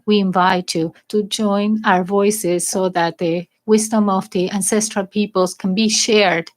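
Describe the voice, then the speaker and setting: A woman working as a live interpreter, rendering a formal speech in measured, halting phrases. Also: medium pitch, steady tone.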